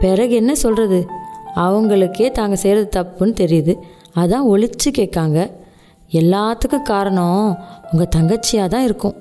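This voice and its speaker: Young woman, actress playing a sharp-tongued, suspicious daughter-in-law, sarcastic and accusing, dark mellow tone. Radio drama. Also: medium pitch, normal speed, soft background music, close to an everyday voice.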